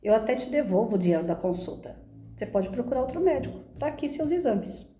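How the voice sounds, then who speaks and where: Brief: a woman doing a serene but stern male doctor, Brazilian, matter-of-fact, mellow tone, echoey room. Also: fairly high pitch, quick pace, slight background noise, close to an everyday voice. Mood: calm, firm. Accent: Brazilian Portuguese. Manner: flat, matter-of-fact replies. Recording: roomy echo.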